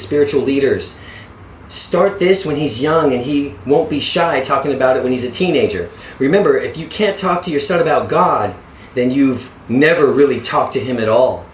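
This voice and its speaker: A middle-aged man reading a self-help book aloud as a father to his son, with encouraging asides and some stumbled, repeated lines. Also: fairly high pitch. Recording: echoey room with background noise.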